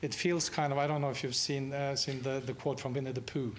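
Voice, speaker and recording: A Norwegian man gives a guest lecture in English, stopping often to restart and joking with the room. His voice sits at an average pitch, with a faint hum of noise behind it. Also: level tone, brisk. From Norway. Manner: hesitant, many fillers and restarts, joking with the audience. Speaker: guest speaker. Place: lecture hall.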